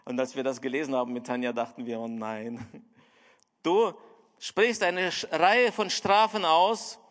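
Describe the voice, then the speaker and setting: A middle-aged man preaching a sermon, telling a story and speaking straight to the listener, with wide swings in loudness and pitch. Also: moderate pace. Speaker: pastor. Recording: long hall reverb.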